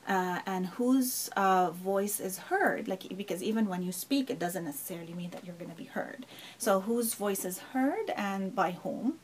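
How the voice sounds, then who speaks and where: A woman's voice: medium pitch, moderate pace, slight background noise, low-quality recording. Thoughtful middle-aged woman professor. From Lebanon. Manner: thoughtful, many fillers and rhetorical 'right?'. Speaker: professor, guest. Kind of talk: conversational interview answer.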